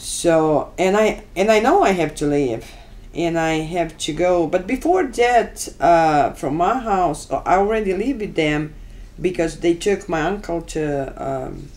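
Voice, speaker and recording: At a fairly slow pace, a woman with a Bosnian accent speaks at a fairly low pitch with lively intonation. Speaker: genocide survivor. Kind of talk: interview answer. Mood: earnest, animated recounting. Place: home room.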